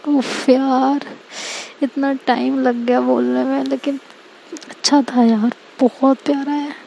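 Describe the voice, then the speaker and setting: A woman's voice: high voice, little pitch movement, takes it slowly, creaky, warm tone, a little hiss or hum, exaggerated voice, low-quality recording. A woman voicing a flustered, lovestruck young woman who sighs over her feelings. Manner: flustered, sighing.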